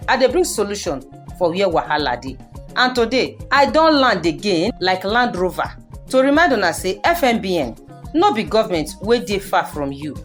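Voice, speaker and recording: A woman performs a lively, streetwise Nigerian woman giving advice on radio in Pidgin. Her delivery is folksy and persuasive, with a very animated pitch that swings up on exclamations. Faint music plays behind her. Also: moderate pace, lightly acted. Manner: folksy, exclamatory, persuasive, addressing listeners directly. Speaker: radio segment presenter.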